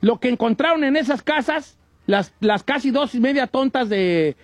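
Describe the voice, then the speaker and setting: A man's voice: extremely high pitch, expressive, moderate pace, no echo. A man voicing a folksy old Mexican ranchero with a Mexican accent, rambling and joking through comic radio news, stumbling over words. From Michoacán, Mexico. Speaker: co-host presenting comic news.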